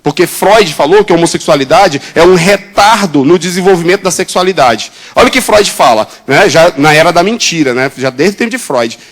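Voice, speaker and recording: A pastor with a Brazilian Portuguese accent delivers an animated sermon in a fairly high male voice. He fires off rhetorical questions and briefly slips into the voices of the people he quotes. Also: fairly quick, few pauses.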